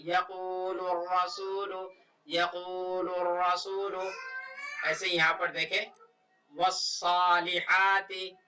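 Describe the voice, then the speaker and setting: A man gives a Quran reading lesson, drawing out each Arabic syllable at an unhurried pace. His voice sits high and very bright. He sounds a little distant from the mic. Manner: slow, drawn-out syllable-by-syllable spelling of Arabic words. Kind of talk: step-by-step recitation lesson.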